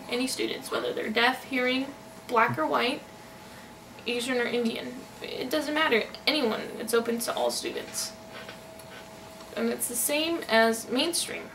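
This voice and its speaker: A woman voicing an interpretation of a signed personal account in halting phrases, recorded on a noisy, distant microphone. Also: on the high side, steady tone, gravelly. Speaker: sign-to-voice interpreter.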